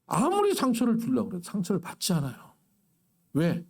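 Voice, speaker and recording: A man's voice: high voice, a little fast, slightly rough. A middle-aged man preaching a sermon as pastor, acting out quarrels in other voices. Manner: animated, acts out quarrels in character voices.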